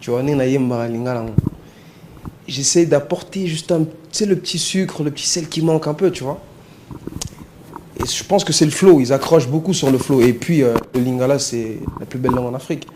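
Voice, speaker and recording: A male musician talks loosely in an interview, pausing and restarting as he thinks, with Lingala words mixed into his sentences. His voice sits in an ordinary middle register. A faint hiss of noise runs underneath. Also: mid-range voice. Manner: relaxed, hesitant, mixing in Lingala words. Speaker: musician guest. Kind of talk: casual interview talk.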